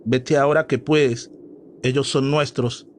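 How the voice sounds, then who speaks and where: A man voicing a horrible female river witch who speaks slowly with a chilling, threatening tone. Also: mid-range voice, fairly even intonation, a little hiss or hum, natural voice. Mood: menacing.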